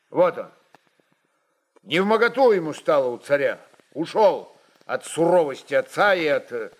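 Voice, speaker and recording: Man acting a forceful Cossack rebel chieftain. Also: on the high side, voice pushed up. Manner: forceful, halting declarations. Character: commanding Cossack rebel chieftain, bold, gruff, impatient.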